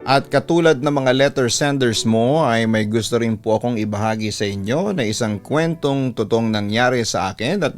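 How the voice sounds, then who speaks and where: A man reads a first-person story as dramatic scripted narration, like a radio storytelling host. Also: mid-range voice. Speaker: radio storytelling host reading a listener's letter. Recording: background music under the voice. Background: music.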